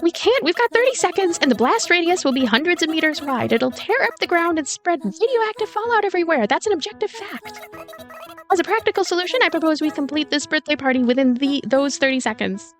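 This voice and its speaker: A woman's voice: extremely high pitch, expressive, brisk, a bit bright, voice pushed up. A woman voicing a matter-of-fact, coolly technical young woman driver in a visual novel game, explaining in precise, formal terms. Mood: urgent, factual. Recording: music behind the voice.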